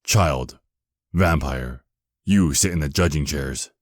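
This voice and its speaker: Man playing a very deep-voiced stern archangel. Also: takes it slowly, no room sound, studio quality, full character voice. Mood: stern, disdainful. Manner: cold, commanding, condescending. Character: stern self-righteous male archangel acting as jailer. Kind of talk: audio drama acting.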